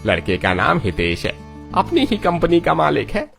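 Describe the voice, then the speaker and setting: A man voicing an older, kindly village priest who arranges marriages in an animated story, speaking steadily and earnestly. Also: on the high side, moderate pace, vocal fry, faint music behind, full character voice.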